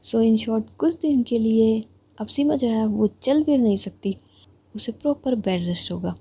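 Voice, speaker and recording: A woman's voice: fairly high pitch, unhurried, warm tone, slightly rough. A woman narrating a romance story in a chatty, casual way.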